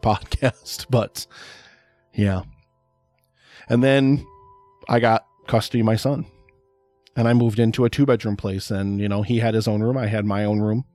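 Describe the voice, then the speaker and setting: A middle-aged man with a loud, projecting voice, hosting a podcast and telling a rambling personal story in a casual, chatty way. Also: mid-range voice. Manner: rambling, chatty, repeats words for emphasis. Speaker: podcast host.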